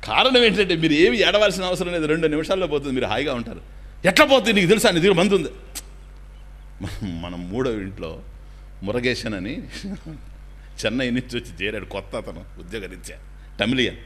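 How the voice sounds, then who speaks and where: A man, a swami, giving a spiritual discourse in an animated storytelling manner, now and then dropping in English phrases. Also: medium pitch, brisk, slight background noise. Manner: animated, acts out anecdotes, drops English phrases.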